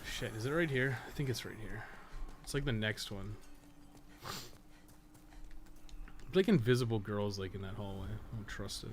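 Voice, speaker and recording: A man giving casual, rambling live commentary as he plays a game, thinking out loud and swearing freely. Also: on the low side, normal speed, long pauses, background noise. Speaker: game streamer and guide maker.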